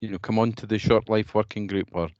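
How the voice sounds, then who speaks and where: A deep-voiced man chairs an online meeting, pausing often and restarting his sentences. His audio comes through a dull, dry video call line with no room around it. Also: fairly even intonation, darkish tone, no echo. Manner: hesitant, many fillers and restarts.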